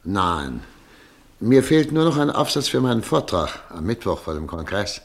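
An actor playing a hopeful, earnest middle-aged exiled doctor and husband in a radio play, speaking in a measured way. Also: male voice, lowish voice, very animated, breathy edge, exaggerated voice. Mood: polite, unsuspecting.

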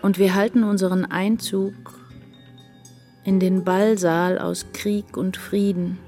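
An actress playing an introspective woman writer, narrating her inner life in a measured, literary radio-drama style. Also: mid-range voice, level tone, over music. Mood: reflective. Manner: measured, deliberate.

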